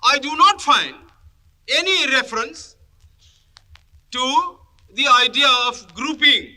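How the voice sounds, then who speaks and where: A man delivers formal parliamentary oratory in a measured, emphatic manner, broken into short phrases. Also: very high-pitched, lively intonation, bright, forceful tone.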